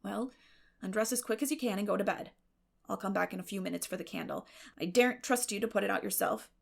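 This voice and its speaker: A stern, practical older woman from a storybook, voiced by a female narrator. She scolds briskly and emphatically, sharp-tongued and indignant, with a creaky edge to her voice. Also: medium pitch. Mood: brisk, curt.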